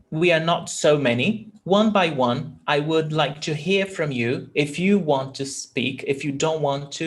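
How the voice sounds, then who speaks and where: A male language teacher explains things informally in short phrases. His pace is slow, with pauses, and his voice sits a bit high for a man. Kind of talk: informal online lesson.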